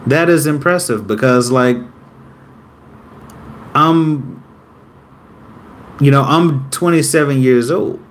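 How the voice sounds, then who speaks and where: Slow-talking young man, rambling. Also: medium pitch, a little hiss or hum. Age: 20s. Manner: rambling, self-correcting, upbeat about himself. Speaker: vlogger. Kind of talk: casual talk to camera.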